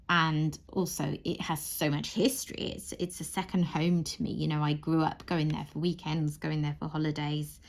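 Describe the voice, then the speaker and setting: Woman, thirties, low-pitched, gravelly fry, rambling crafting chat, soft laughs. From Wales. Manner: rambling, warm, frequent soft laughs and restarts. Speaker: crafting channel host. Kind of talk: chatty monologue while crafting.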